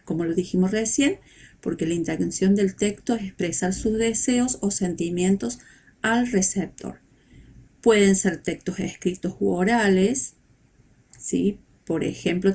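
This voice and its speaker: A woman teaching, explaining in a measured, didactic way. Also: medium pitch, mellow, slightly rough. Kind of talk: explanatory lesson.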